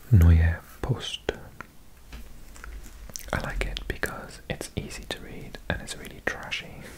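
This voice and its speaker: A man whispers at a very slow pace. His loudness swings widely. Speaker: ASMR creator. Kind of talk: casual talk to camera. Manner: soft-spoken.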